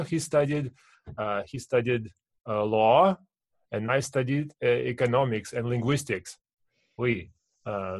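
A man in his forties from Kazakhstan, speaking with a heavy French accent. He talks haltingly and keeps restarting his sentences with fillers. His voice sounds dry and close, with no room around it. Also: mid-range voice, dry recording. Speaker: podcast guest, business owner. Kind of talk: casual interview chat.

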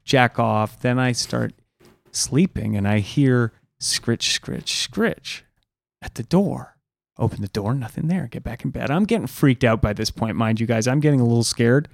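A man's voice: mid-range voice, moderate pace, creaky, a little mellow, no room sound. A man co-hosting a comedy podcast, rambling through a spooky story with plenty of fillers. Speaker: podcast co-host.

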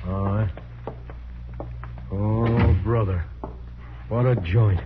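An actor playing a skeptical, impatient homicide detective, gruff and slangy, in 1940s radio drama style. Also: male voice, on the low side, steady tone, drawn-out words. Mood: wary, scornful. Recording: muffled, noisy 1940s radio recording with hum.

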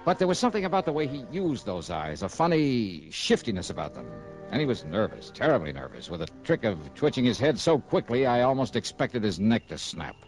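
An actor playing a wisecracking insurance investigator in a 1960s radio drama, talking in a dry, clipped way and narrating. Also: male voice, medium pitch, sing-song, a little fast, few pauses, darkish tone, faint music behind, low-quality recording. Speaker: narrator and lead.

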